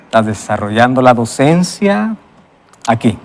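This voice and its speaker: A male host opens a Bible study episode and greets his guests in a studio. His delivery swings widely in pitch with dramatic pauses. A long reverb trails his voice. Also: big pitch swings. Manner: emphatic, with dramatic pauses and enthusiastic wows. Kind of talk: TV show presenting and interviewing.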